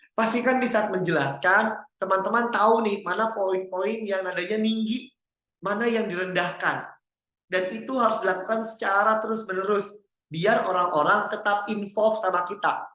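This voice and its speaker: A man gives an interactive public speaking lesson in an energetic, coaching manner. He keeps drawing in a participant with questions. His voice sounds roomy, with an echo around it. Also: high voice. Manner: lively, coaching, asks the audience questions.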